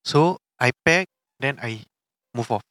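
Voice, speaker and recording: A man's voice: mid-range voice, expressive, a little slow, a bit bright, no room sound, studio quality. A man with a Singaporean accent tells a personal story casually in Singlish, with lah and Malay words, often repeating and restarting his phrases.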